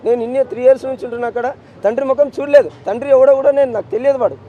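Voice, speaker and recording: A man's voice: very high voice, fairly even intonation, racing, warm tone, dull audio, a faint crowd. A middle-aged man with a Telangana Telugu accent, a bereaved father giving a street news interview, anguished and insistent as he repeats his demands. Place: outdoors on a city street.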